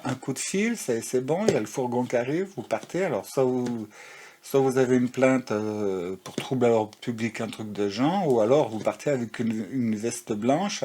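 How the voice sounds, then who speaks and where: A man's voice: medium pitch, darkish tone, slight background noise. Man rambling through a tarot reading. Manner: rambling, full of fillers and restarts. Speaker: tarot card reader. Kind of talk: casual spiritual guidance talk.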